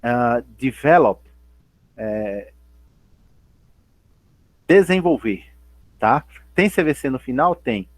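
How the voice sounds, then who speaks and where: A man's voice: mid-range voice, expressive, slow, pauses often, dry recording. A male teacher giving a remote lesson, explaining step by step, repeating points and answering his own questions. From Brazil. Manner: patient, repeats and spells out points, asks and answers himself. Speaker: English teacher.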